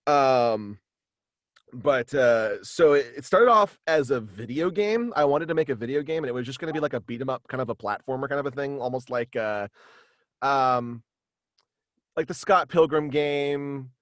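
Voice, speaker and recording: A young man chatting casually as an interview guest, halting and rambling as he explains, on a close studio mic. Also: medium pitch, animated, dry recording. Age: young adult. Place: small indoor room with acoustic padding, video call. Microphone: close studio mic, headphones.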